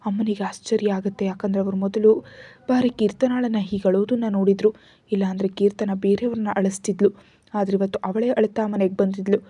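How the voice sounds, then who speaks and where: A woman narrating a scripted story in a steady, even reading. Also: medium pitch, a little fast, husky, no room sound. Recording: dull lo-fi recording.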